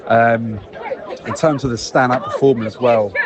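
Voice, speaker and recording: A man's voice: mid-range voice, fairly even intonation, normal speed, highs cut off, crowd noise. A man leaving a casual, unscripted match report as a fan, hesitant but thoughtful and analytical. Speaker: football fan leaving a voicemail.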